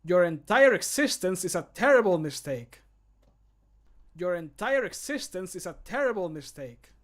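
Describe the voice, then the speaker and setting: A man's voice: high-pitched, big pitch swings, normal speed. A man voicing an irritated, disgusted fantasy game character who hurls insults in a scornful, exclaiming way. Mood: scornful threatening. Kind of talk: video game mod voice acting.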